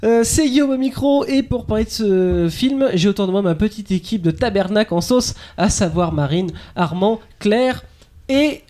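A man hosting a podcast about screenwriting, brisk and joking as he introduces the episode and leads the chat. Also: high voice, expressive, mellow. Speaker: podcast host.

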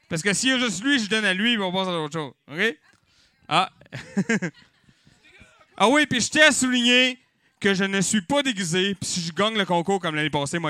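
A man's voice: high voice, bright, forceful tone, no room sound. A man with a Québécois accent hosting a live comedy night, joking and swearing loosely with the crowd. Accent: Québécois French. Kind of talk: improvised stand-up hosting with mock auction. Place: live venue with audience.

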